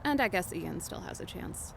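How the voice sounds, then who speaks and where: A woman's voice: lowish voice, expressive, normal speed, gravelly. A woman acting a weary, protective young leader of fugitives in an audio drama, with a subdued, serious delivery. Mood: mock scolding. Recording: noisy outdoor ambience bed.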